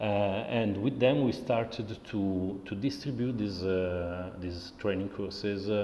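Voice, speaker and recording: A man's fairly low voice in audible room echo. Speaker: tech company founder. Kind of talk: interview. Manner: halting.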